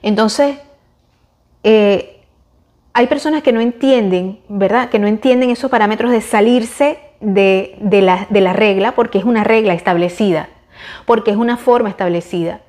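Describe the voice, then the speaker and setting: A woman's voice: medium pitch, moderate pace, a little mellow. Female podcast host, reflective solo monologue, earnest and thorough, mid-range voice. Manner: earnest, explanatory, long-winded. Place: lives in the United States.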